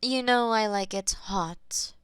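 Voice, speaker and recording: A woman voicing a possessive, taunting female demon mistress in a scripted audio roleplay, teasing and slipping into soft whispers. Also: mid-range voice, slow, clear, resonant tone, no room sound. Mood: teasing, commanding.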